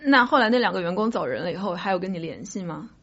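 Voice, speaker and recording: A woman with a slightly low, breathy-rough voice co-hosts a casual discussion. She talks fast, in conversational turns. The recording sounds a bit muffled. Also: lively intonation, fairly bright tone. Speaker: podcast co-host. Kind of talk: casual panel chat. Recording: dull, band-limited sound.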